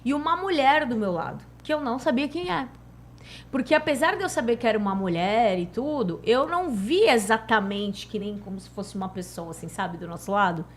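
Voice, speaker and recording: A woman with a Brazilian Portuguese accent from Santos, telling a personal spiritual story in an animated, emotional way on a podcast. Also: fairly high pitch, a little fast, a little hiss or hum. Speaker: podcast guest sharing a spiritual experience. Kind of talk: casual chat, storytelling.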